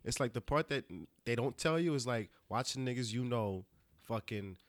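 A man's voice: medium pitch, expressive, normal speed, no room sound. A young man in casual podcast chat, telling loose stories full of slang and fillers.

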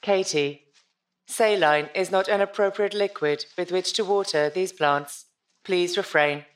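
A woman playing a ship's AI in an audio drama, formal, literal and gently concerned, with precise, stilted wording. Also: lowish voice, unhurried, natural voice. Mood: formal, measured.

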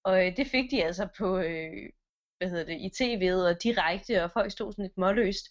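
Woman telling a story, lo-fi sound. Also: fairly low pitch. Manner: casual, many fillers, acts out voices. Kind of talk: improvised storytelling. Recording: dull lo-fi recording.

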